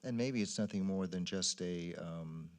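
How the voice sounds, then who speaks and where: A man's voice: deep voice, unhurried. An American man serving as a council member, talking casually during a public meeting. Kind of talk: casual discussion in a formal meeting.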